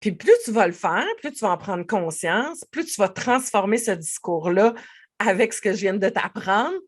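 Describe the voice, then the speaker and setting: A woman's voice: mid-range voice, normal speed. A woman with a Québécois French accent, a life coach giving a podcast monologue and speaking straight to the listener. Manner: animated, speaks directly to the listener.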